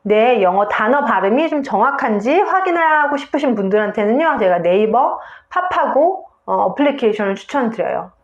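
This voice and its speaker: A woman's voice: on the high side, lively intonation, moderate pace, few pauses, roomy sound, muffled recording. A woman English teacher giving a video lesson on pronunciation, explaining step by step and saying example words aloud.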